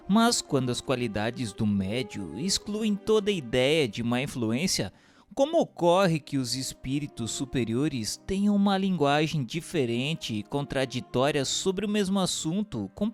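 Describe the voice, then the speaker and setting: Brazilian guy doing formal scripted narration, lively intonation, unhurried, soft music behind. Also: on the high side. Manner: formal, deliberate. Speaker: narrator and questioner. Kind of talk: scripted narration, expository reading.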